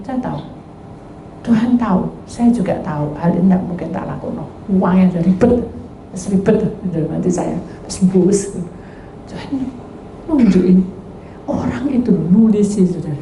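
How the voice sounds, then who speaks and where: Animated woman preaching in an echoey room. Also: medium pitch, moderate pace. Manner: animated storytelling, acting out dialogues, addresses congregation. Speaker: pastor. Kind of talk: sermon with testimony. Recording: echoey room with faint background noise.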